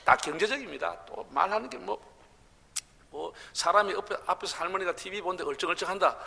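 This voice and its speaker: Bright-voiced Gyeongsang pastor in a church hall. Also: male voice, high-pitched, brisk, gravelly, slightly rough. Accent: Gyeongsang Korean. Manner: humorous, chatty preaching with laughs to the crowd. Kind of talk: sermon at a revival meeting. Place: large church sanctuary.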